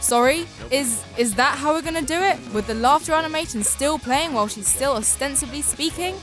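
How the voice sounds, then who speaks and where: Higher-pitched sardonic British woman narrator. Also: brisk, a bit bright. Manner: sardonic, incredulous. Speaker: video narrator. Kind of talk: comic scripted commentary. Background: music.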